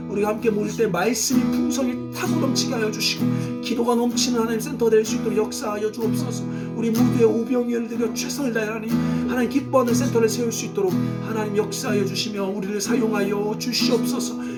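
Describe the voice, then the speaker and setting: A male pastor preaching to a small house church, firing questions at the congregation and answering them himself, then leading an earnest spoken prayer. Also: high voice. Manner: earnest, confessional prayer with repeated invocations.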